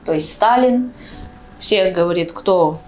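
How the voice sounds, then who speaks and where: A woman's voice: on the low side, expressive, takes it slowly, slight background noise, poor audio. A woman in her twenties from Uzbekistan, speaking as a guest in a casual, conversational explanation, often checking in with her listener. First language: Russian. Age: 20s. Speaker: guest, vlogger.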